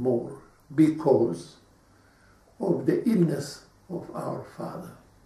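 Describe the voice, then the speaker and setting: A man talks at a very slow pace in a fairly high voice. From Zagreb, Croatia. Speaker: Holocaust survivor. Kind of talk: testimony narration.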